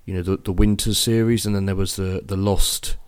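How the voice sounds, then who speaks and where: A man's voice: sits low, little pitch movement, fairly quick, a little mellow, smooth. A man hosting a casual podcast interview, asking questions with frequent restarts and repeated words. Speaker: podcast host.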